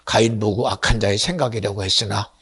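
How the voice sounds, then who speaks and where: A male pastor preaching a dramatic sermon that swings between hushed whispers and loud shouts. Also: fairly low pitch, fairly even intonation, fairly quick, slightly rough.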